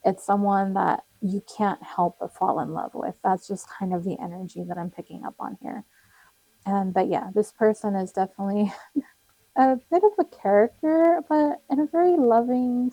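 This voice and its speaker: Casual tarot reader, young woman, rambling and friendly, voice going hoarse. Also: medium pitch, dark tone, dry recording, low-quality recording. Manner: chatty, rambling, with frequent fillers and little laughs. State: losing her voice, slightly cracking. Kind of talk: casual tarot reading to viewers.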